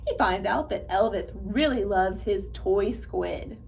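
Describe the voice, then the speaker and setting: A woman reading aloud to young children at storytime, with an animated manner and speaking directly to her listeners. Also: medium pitch, slow pace, creaky, a little hiss or hum. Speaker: children's librarian and storytime reader.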